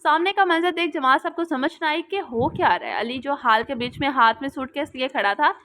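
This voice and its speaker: A woman host reading a romance novel aloud in steady, dramatic storytelling. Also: high-pitched, fairly quick, slight background noise.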